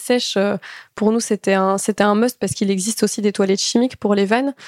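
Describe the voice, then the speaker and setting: The speaker has an ordinary speaking voice with fairly even intonation. The sound is dry and close, with no echo. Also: woman. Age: 20s. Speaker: vanlife content creator. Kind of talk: podcast interview.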